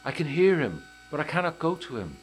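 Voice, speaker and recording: A man voicing a despairing young woman entranced by a dead god, speaking in a slow, hushed, fervent way. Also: a little high, sing-song, a little hiss or hum, voice pushed up, poor audio.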